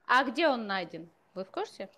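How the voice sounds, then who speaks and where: A woman's voice: on the high side, sing-song, normal speed, a bit bright. A woman in her thirties hosting a casual live stream from a room at home, talking with callers through an earphone mic.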